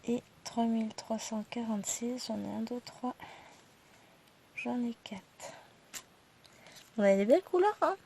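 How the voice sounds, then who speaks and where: Slow-counting woman with a stuffy nose. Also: on the high side, lively intonation, gravelly, slight background noise. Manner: slow, quiet counting, chatty asides. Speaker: cross-stitch YouTuber. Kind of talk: casual haul video, counting thread skeins.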